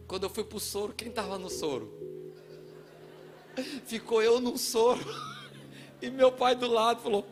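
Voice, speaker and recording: A man from Brazil preaching a sermon in a church, telling a story with acted-out voices and shouts. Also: very high-pitched, slow, pauses often, soft background music. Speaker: pastor.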